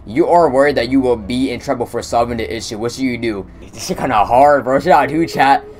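A young man casually commentating on a game stream, using slang and talking excitedly to his chat. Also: mid-range voice, fairly quick, a little hiss or hum. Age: young adult. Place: indoor room at streaming setup.

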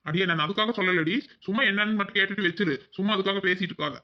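Cartoon village husband, sulky and jealous, Kongu accent, snaps back in rapid bursts; a man voices him; muffled lo-fi sound. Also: sits high, lightly acted. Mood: grumpy. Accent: Kongu Tamil. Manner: curt, snapping replies. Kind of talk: cartoon voice acting.

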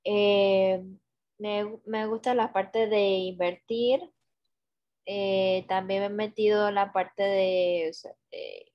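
Speaking slowly in a mid-range voice with little pitch movement, a young woman joins a video call as a guest from a small home room. The graphic designer is casual but hesitant, full of fillers and restarts, and her headset audio comes through dull and lo-fi.

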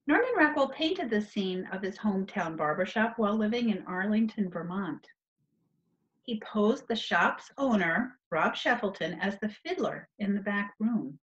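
A middle-aged woman curator giving educational art commentary and putting questions to viewers from a room at home over a video call. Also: on the high side. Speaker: museum curator. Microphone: computer mic on a video call. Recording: dull, lo-fi video call audio.

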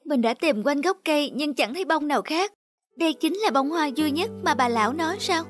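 A woman's voice: high-pitched, animated, fairly quick. A woman voicing a devoted young daughter in a cartoon, pleading and emotional, with music playing behind. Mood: earnest. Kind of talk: cartoon voice acting. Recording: background music under the voice.

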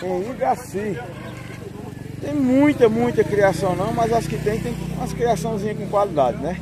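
This vlogger, a man with a Northeastern Brazilian accent, strolls through a busy outdoor animal market, and the crowd noise is all around. His high, expressive voice moves at a normal speed as he chats casually and keeps calling attention to what he sees.

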